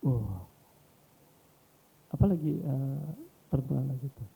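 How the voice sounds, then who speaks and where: A man's voice: fairly high pitch, normal speed. Middle-aged man preaching in a reverberant hall. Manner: animated, swings between soft asides and loud exhortation. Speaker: pastor. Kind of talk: sermon with storytelling. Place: church hall.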